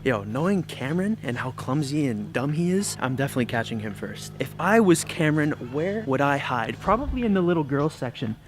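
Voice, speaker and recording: A man's voice: on the high side, very animated, brisk, hardly any pauses. A man vlogging casually inside a big store, talking to camera in slangy, teasing chat. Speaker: vlogger, host of a prank challenge. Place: inside a large supermarket. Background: music.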